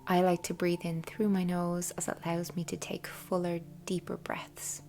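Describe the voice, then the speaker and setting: A woman speaks softly in a lowish, breathy voice that slips toward a whisper. She guides a meditation with slow, soothing, scripted phrasing, keeping her intonation fairly even. Quiet music plays behind her. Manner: soft, breathy, half-whispered, unhurried delivery. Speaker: host guiding a meditation. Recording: soft music bed behind voice. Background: quiet background music.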